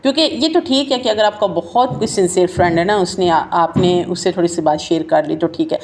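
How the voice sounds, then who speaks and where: A woman's voice: fairly low pitch, a little mellow. Chatty woman talking straight to her listeners. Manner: conversational, often adds the filler "jo hai na"; addresses listeners as her sisters and friends. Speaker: motivational talk host. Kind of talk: casual heartfelt talk to viewers.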